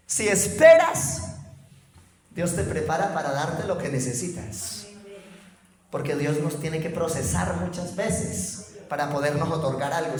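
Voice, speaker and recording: Fervent Colombian male preacher with a high, raised voice, recorded in an echoey church hall; swings from quiet to shouting. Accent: Colombian Spanish. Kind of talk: sermon.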